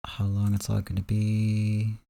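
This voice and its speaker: Guy, low voice, chill chatty let's play host. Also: measured pace, gravelly. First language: Dutch. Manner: relaxed, chatty asides. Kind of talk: reading a visual novel aloud.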